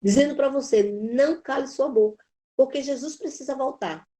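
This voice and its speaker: A woman's voice: high-pitched, moderate pace, warm tone. A woman teaching a Bible institute class, telling a personal story in an emphatic, preacherly way with lots of repetition.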